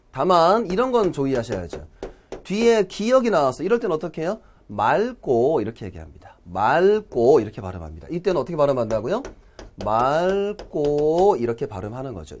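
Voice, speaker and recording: A middle-aged man lecturing on exam questions, pitched a bit high with a lively, rising and falling delivery. He keeps turning to his students with quick questions. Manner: lively teacherly, asks students questions often. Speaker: Korean language lecturer.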